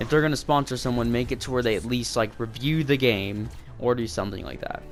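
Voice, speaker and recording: Against noticeable background noise, the speaker talks at a fairly quick pace with fairly even intonation. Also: man. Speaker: gaming YouTuber. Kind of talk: unscripted commentary monologue. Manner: hesitant, with fillers and pauses.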